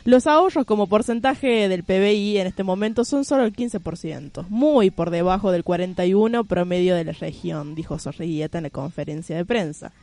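A woman's voice: fairly low pitch, moderate pace, hardly any pauses, a little mellow, no room sound. An Argentine woman co-hosting a radio show, reading news reports aloud in a mocking tone and breaking into laughter. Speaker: radio co-host.

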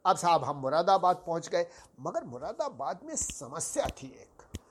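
An older man from Uttar Pradesh with a sore, hoarse throat, hosting a podcast and telling a story in a formal, courteous way, addressing his listeners as sahib. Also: fairly high pitch, very animated, measured pace, slight background noise. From Uttar Pradesh, India. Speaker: podcast host. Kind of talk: slow reminiscing storytelling.

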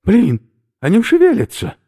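A man voicing a brash, rough young male skinhead who talks loudly and bluntly in slang. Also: medium pitch, big pitch swings, slow pace, voice pushed up. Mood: shouting. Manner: loud, blunt, slangy, impatient.

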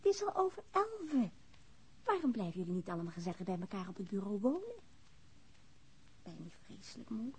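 A woman's voice: mid-range voice, sing-song, fairly quick, long pauses, darkish tone, husky, full character voice. An actress playing a policeman's frank wife in a naturalistic radio drama, sardonic, playful and outspoken, teasing and eager by turns. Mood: reproachful.

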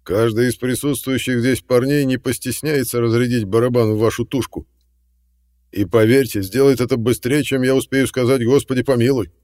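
A man voicing a calm, courteous older man in an audiobook, giving measured warnings. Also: mid-range voice, no echo, studio quality, big-room sound, voice pushed up, close to an everyday voice. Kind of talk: audiobook reading.

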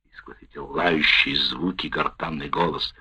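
A man reading a wartime memoir aloud in the first person, with a measured, expressive delivery. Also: a bass voice, slightly rough. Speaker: narrator. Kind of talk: audiobook narration of a wartime memoir. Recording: dull lo-fi recording.

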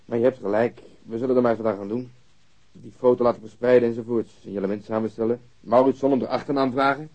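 Actor as mellow, husky, sardonic police detective. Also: male voice, medium pitch, fairly even intonation, fast, highs cut off, natural voice. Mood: wry resignation. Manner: casual, blunt, sardonic. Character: cynical, coarse, amused male police detective. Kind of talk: radio drama acting.

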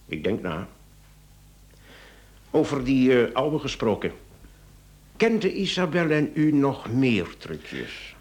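In a roomy, echoing space, a no-nonsense Flemish police inspector in a radio drama. He questions dryly and insistently in short phrases, with a lively rise and fall in his voice. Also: medium pitch, takes it slowly, long pauses. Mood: grave, insistent. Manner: terse, insistent, dry. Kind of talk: radio play dialogue.

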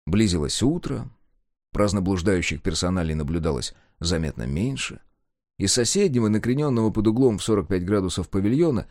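A man reading an audiobook in an expressive, wry narrating manner. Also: lowish voice, no echo, clean studio sound. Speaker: audiobook reader. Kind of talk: scripted narration.

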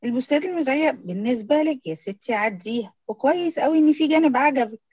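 A woman's voice: high voice, lively intonation, quick pace, a little mellow, breathy edge, dry recording. A woman with an Egyptian Arabic accent, playing a reassuring woman who runs a discussion group. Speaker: actor rehearsing a play.

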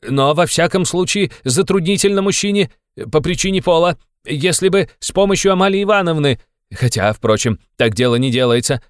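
A man's voice: fairly high pitch, animated, fairly quick, clean tone, no echo, voice pushed up, lightly acted. Pompous fussy official, prim and reproachful, slightly raised tone, a man doing him, dry close sound. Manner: pompous, fussy, adds deferential "-s" to words. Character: pompous fussy middle-aged official, coldly accusing.

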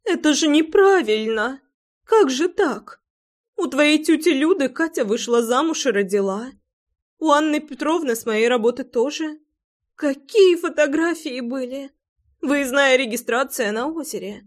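A woman's voice: high-pitched, expressive, unhurried, pitched above the performer's own voice. A woman reading an audiobook, voicing a fussing, easily upset middle-aged mother who pleads and frets. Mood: fretful. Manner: pleading, fretful.

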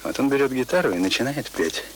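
An actor playing a courteous, talkative suitor telling tall tales in a radio play. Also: male voice, mid-range voice, lively intonation, quick pace, close to an everyday voice. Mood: animated, boastful. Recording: noisy old radio play recording.

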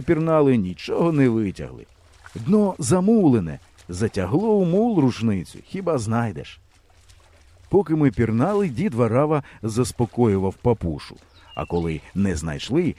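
A man narrating a storybook in a lively, expressive way. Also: mid-range voice, no echo. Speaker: audiobook narrator. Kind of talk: storybook reading.

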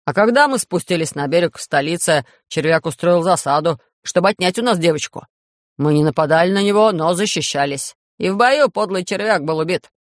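A man voicing a bold young male mole warrior in an audiobook, loud and defiant. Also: sits high, lively intonation, a little fast, no room sound, clean studio sound. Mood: earnest.

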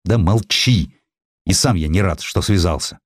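A man's voice: deep voice, a little slow, dry recording, clean studio sound. A man voicing a gloomy publisher who complains plaintively about his lost money. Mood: grumbling, gloomy. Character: gloomy, grumbling male publisher fretting over lost money.

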